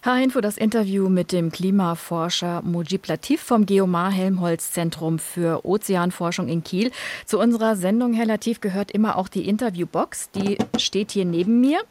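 A woman hosting a radio interview, asking her guest questions in a clear, friendly way. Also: mid-range voice, normal speed, darkish tone, a little hiss or hum. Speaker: radio host.

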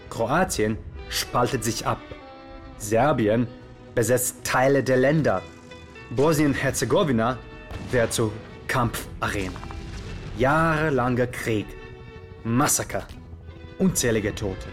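A man's voice: mid-range voice, close to an everyday voice. Guy playing flamboyant radio host, scripted dramatic storytelling, talks right to listeners, bit of music behind. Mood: dramatic, urgent. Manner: rhetorical, theatrical, addresses listeners directly. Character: Yugo Slaven, flamboyant male Yugoslav radio presenter. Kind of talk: scripted radio show narration with dramatic flourishes.

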